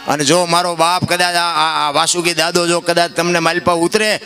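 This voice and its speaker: A man's voice: on the high side, level tone, moderate pace, vocal fry, faint music behind. Impassioned folk storyteller man. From Gujarat, India. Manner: preachy, storytelling, rising to loud impassioned peaks. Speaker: dayro storyteller. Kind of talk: folk dayro sermon.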